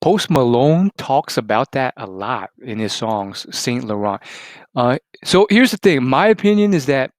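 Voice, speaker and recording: A man's voice: medium pitch, sing-song, a little slow, no echo. Man, reaction host, mid-range voice, dry sound, rambling casual commentary.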